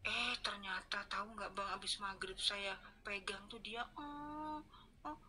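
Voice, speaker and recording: Bright-voiced woman telling animated stories. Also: mid-range voice, unhurried, slight background noise. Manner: animated storyteller, sighs of dismay. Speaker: fitness instructor. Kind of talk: casual late-night chat.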